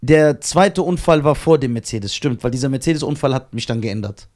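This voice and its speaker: A young man from Germany telling a story on a casual podcast, animated and laughing at himself as he acts out the voices of the people in it. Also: medium pitch, brisk. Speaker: podcast co-host.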